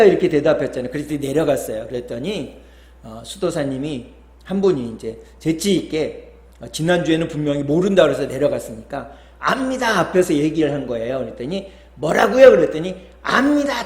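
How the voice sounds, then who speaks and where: A man telling a story as a pastor in a sermon, animated, acting out the characters' lines. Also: roomy sound. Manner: animated storyteller, acts out quoted lines with higher pitch.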